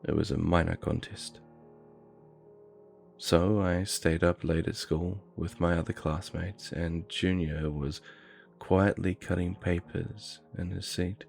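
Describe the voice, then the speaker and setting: A man with a very deep, gravelly voice reads out a creepy story at an unhurried pace. His tone stays flat and even as faint music plays underneath. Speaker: narrator. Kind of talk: scripted horror story narration.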